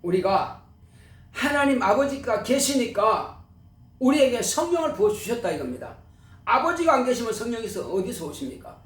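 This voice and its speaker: High-pitched preaching man, echoey hall. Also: big pitch swings, normal speed, distant mic. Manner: emphatic preaching, rhetorical questions to the congregation. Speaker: pastor. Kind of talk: sermon. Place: church sanctuary.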